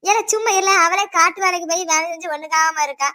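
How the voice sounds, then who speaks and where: Cartoon: bossy older village woman neighbor, Tirunelveli accent, very rapid, sharp lecturing delivery, voiced by a performer. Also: very high-pitched. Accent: Tirunelveli Tamil. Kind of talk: cartoon voice acting.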